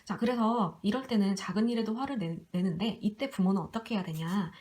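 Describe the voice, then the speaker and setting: A young woman delivers an online lecture at a quick, lively clip. She speaks casually to her students and keeps breaking into brief acted-out lines to illustrate her points. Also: medium pitch. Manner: fast, chatty teaching with acted quotes.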